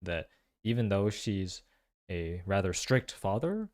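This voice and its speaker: A man hosting a casual reaction video, thinking aloud in slangy, excitable commentary. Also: sits low, slow. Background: faint music.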